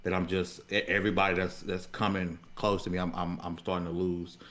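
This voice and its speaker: Low-voiced American man, casual podcast host. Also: little pitch movement, fairly quick, fairly bright tone. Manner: colloquial, repeats words while searching for phrasing. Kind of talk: casual unscripted talk.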